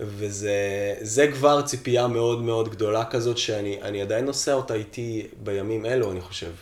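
With hardly any pauses, a man speaks in a plain, everyday voice at medium pitch, a moderate pace and fairly even intonation. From Belarus, immigrated to Israel at age 6. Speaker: podcast host. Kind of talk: casual conversation interview.

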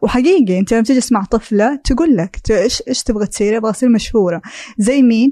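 The tone is dark and mellow, with ordinary pitch variation. The sound is dry and close, with no echo. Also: woman, fairly high pitch for a woman. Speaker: psychology counselor and entrepreneur. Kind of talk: casual interview conversation. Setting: recorded on-site at a cultural event.

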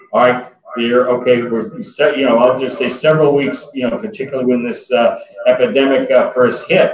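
A man has a normal speaking voice at a medium pitch. He talks at a moderate pace with lively intonation. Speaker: public works commissioner. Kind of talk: public budget meeting. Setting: video call.

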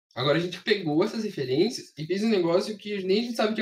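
A man rattles along at a very fast pace. His pitch is high, with ordinary pitch variation. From Brazil. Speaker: musician and producer. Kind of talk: casual chat.

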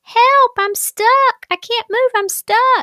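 A put-on character voice speaks at a very slow pace. The sound is dry and close, with no echo. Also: woman, extremely high pitch for a woman. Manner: mocking, comedic.

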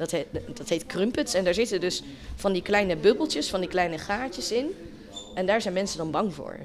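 An ordinary speaking voice at a fairly quick pace with lively intonation. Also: woman, medium pitch for a woman. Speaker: youth centre volunteer. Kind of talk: casual chat.

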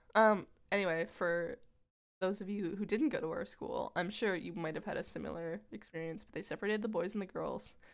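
A woman with vocal fry at a medium pitch, a fairly quick pace, ordinary pitch variation and big swings in loudness. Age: 20s. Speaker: podcast co-host and streamer. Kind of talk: casual chat.

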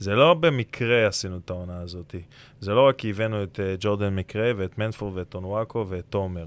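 In an ordinary speaking voice, a man speaks at a fairly low pitch and a fairly quick pace, with ordinary pitch variation. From Israel, Herzliya. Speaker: basketball assistant coach. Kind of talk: casual interview. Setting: studio.

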